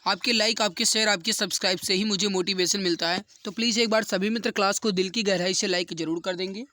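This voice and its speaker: A man with a high, bright, forceful voice teaches an exam class. He works through quiz questions step by step and repeats key answers for emphasis. The sound is dry and close. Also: steady tone, quick pace, no room sound. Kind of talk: explanatory quiz lesson for exam students.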